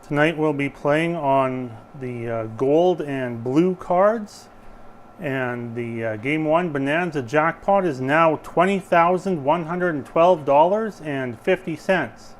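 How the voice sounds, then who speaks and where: Higher-voiced man as bingo caller. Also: slight background noise. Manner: formal, procedural announcing. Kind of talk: bingo caller reading scripted announcements and rules.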